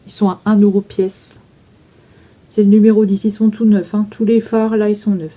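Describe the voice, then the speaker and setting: A woman's voice: mid-range voice, flat delivery, normal speed, warm tone. A woman chatting casually through a makeup declutter, with frequent fillers, stumbling over English names. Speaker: vlogger selling makeup. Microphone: phone.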